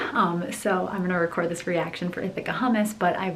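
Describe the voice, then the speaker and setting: There is noticeable background noise and audible room echo. A woman speaks at a medium pitch and a fairly quick pace. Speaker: lifestyle vlogger and influencer. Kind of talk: vlog talk to camera. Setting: bathroom at home. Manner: whispering.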